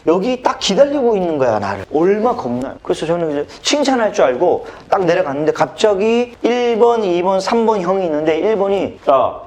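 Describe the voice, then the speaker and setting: A man from Busan tells a personal story in a dramatic, expressive way. His voice sits high for a man and swoops widely in pitch. He talks like a speech coach winning over a crowd. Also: a little fast, hardly any pauses. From Busan, South Korea. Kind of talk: animated storytelling talk.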